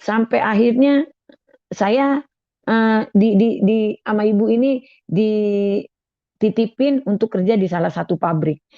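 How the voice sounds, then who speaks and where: Gravelly-voiced Madurese woman giving testimony. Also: medium pitch, slow, pauses often, no echo. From Madura, Indonesia. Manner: earnest, repeats phrases as she recounts. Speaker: testimony speaker. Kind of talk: personal faith testimony. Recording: dull, dry lo-fi recording.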